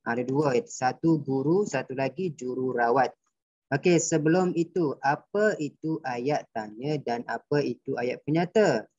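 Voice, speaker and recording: A man's voice: medium pitch, measured pace, darkish tone, no room sound. A male primary school teacher with a Malaysian Malay accent, patiently explaining a grammar lesson and quizzing his pupils. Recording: dull dry lo-fi recording.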